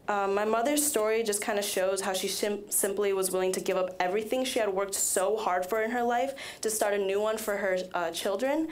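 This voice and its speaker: A teenage girl reads a prepared speech at a public event with an earnest tone, and fillers creep in. Her pitch sits in the middle range. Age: teens. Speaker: student speaker.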